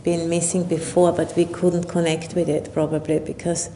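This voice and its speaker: A woman leading a guided meditation as a Buddhist teacher, speaking in unhurried, halting phrases with long pauses. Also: flat delivery, warm tone. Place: retreat session at a monastery or retreat center. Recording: low rumbling background noise.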